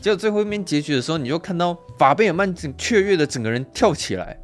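A man's voice: fairly high pitch, animated, fast, faint music behind. Laughing, swearing man. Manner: laughs often, swears casually, acts out quotes. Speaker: podcast co-host. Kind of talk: casual film chat.

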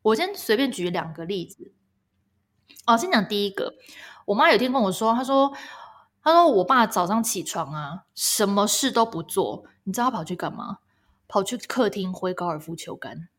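A woman co-hosting a casual chat podcast, telling stories in an exasperated, animated way. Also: mid-range voice, normal speed. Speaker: podcast co-host.

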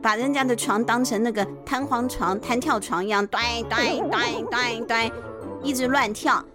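A high-voiced woman with a Taiwanese accent tells a bedtime story for children. Her narration is expressive and full of playful asides, with music clearly audible behind her. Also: moderate pace. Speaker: children's storyteller, podcast host. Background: clear background music.

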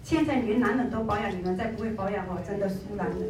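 A middle-aged woman gives a lively sales training talk, telling stories and acting out the people in them. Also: medium pitch, quick pace, distant mic, slight background noise. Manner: animated storytelling, acts out quoted people. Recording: echoey room, voice from off-mic.

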